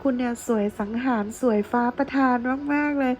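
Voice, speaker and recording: A woman's voice: high-pitched, moderate pace, darkish tone, poor audio. A woman giving a chatty tarot reading to her viewers, playful and gushing, full of teasing praise. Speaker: tarot reader.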